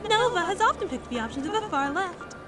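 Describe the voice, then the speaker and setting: Woman as a very high-pitched, polite computer assistant. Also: big pitch swings, fast, music in the background. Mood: helpful, formal. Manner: formal, matter-of-fact, precise. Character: polite, literal-minded ship computer assistant. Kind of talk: scripted audio drama acting.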